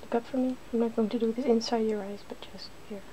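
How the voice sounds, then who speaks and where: A woman's voice: fairly high pitch, steady tone, quick pace, dark tone, a little hiss or hum. A woman hosting a casual ASMR makeup demonstration, chatty and giggly, drifting into whispers. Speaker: ASMR video host.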